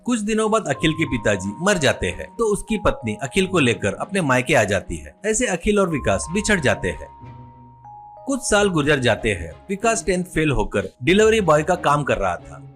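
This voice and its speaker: A man's voice: a little high, very animated, moderate pace, a bit bright, soft background music. A man narrating a scripted moral story as a storyteller.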